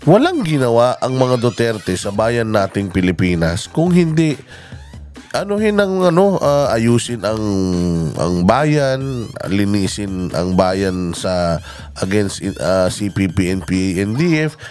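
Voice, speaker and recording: A man's voice: lowish voice, very animated, slow pace, a little mellow. Guy ranting about politics, lots of ums and ahs, gets heated, faint music behind. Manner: hesitant, many fillers, switches into English, angry swearing. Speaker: political commentary vlogger. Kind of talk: impassioned political commentary.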